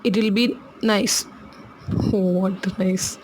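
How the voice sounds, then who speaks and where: A woman's voice: medium pitch, fairly even intonation, slow pace, slight background noise, poor audio. A woman with a Tamil accent, a native Tamil speaker, giving a casual hands-on jewelry tutorial, chatty and laughing often as she repeats her instructions. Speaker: craft tutorial host.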